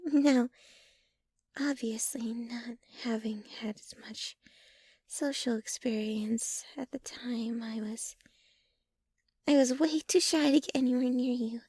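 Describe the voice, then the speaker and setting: A woman playing a sweet, shy, obsessively devoted young girlfriend in an ASMR roleplay, speaking softly and bashfully, often close to a whisper. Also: on the high side, no echo. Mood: tender, bashful. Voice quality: soft, breathy, often near whisper. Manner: bashful, giggly, halting, gushing. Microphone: close microphone, dry sound.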